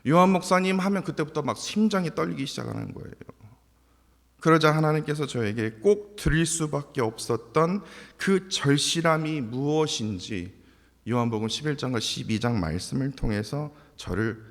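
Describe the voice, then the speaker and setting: A man's voice: on the high side, expressive, normal speed, vocal fry. A man in his forties preaching a confessional, emotional sermon to his congregation. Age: 40s. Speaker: pastor. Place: church sanctuary. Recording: long hall reverb.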